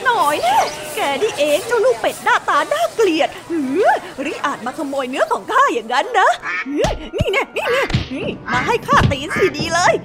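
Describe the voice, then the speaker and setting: A woman voicing an angry meat seller who scolds and shouts at a thief. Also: very high-pitched, sing-song, racing, few pauses, over loud music, pitched above the performer's own voice. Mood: furious.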